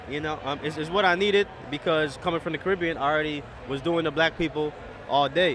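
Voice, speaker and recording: Noticeable background noise accompanies a man speaking at a very fast pace. His fairly high pitch holds a fairly even intonation. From Antigua. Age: 20s. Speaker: barber. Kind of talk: podcast interview. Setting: live podcast at a trade expo.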